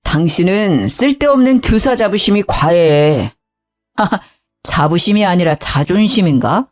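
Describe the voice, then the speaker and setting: A woman's voice: lowish voice, lively intonation, a little slow, faint music behind, pitched below the performer's own voice. A woman doing a sneering sarcastic husband. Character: sarcastic husband in his thirties, belittling.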